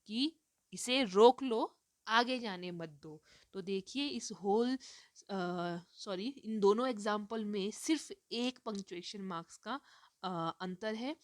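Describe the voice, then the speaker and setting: A woman teacher giving a recorded lecture on teaching reading. She explains step by step, mixes English terms into her sentences and fills pauses with "uh". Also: medium pitch, dry recording, studio quality.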